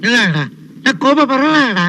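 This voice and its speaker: A man's voice: extremely high pitch, sing-song, fast talker, vocal fry, over music, exaggerated voice. An actor playing a pompous male politician who keeps politely insisting he never gets angry, from a film comedy. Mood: insistent. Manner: overly polite, then shouting denials.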